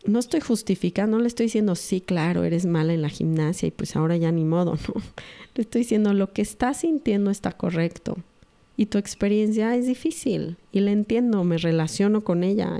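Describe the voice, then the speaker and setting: A middle-aged woman talks earnestly to an audience about raising her children. Her voice is mellow and relaxed, at a middling pitch, and she acts out what others say as she goes. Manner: earnest, acts out quoted dialogue. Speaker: mother sharing parenting advice. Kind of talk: reflective talk to an audience.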